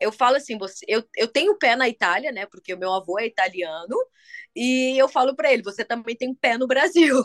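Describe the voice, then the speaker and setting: A woman talks at a fairly quick pace in a high voice with lively intonation. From Brazil, Vitória, Espírito Santo. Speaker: businesswoman. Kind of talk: interview. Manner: halting, many fillers; animated.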